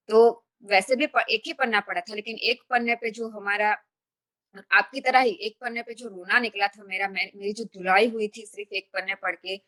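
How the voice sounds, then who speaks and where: A woman's voice: on the high side, a bit bright. A woman in a study group earnestly describing her fears about reading aloud to the group. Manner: earnest, nervous confessional telling. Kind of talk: casual group sharing.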